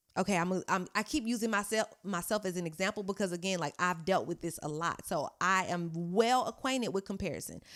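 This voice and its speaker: An animated woman with an American accent talks at a fairly quick pace with hardly any pauses, in a very clean recording with a silent background. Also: medium pitch for a woman, ordinary pitch variation. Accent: Dallas Oak Cliff accent, sometimes masked. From Texas, Oak Cliff (Dallas). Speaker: podcast host, mother. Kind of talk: motivational podcast monologue. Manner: animated, repetitive false starts; code-switching, polished delivery.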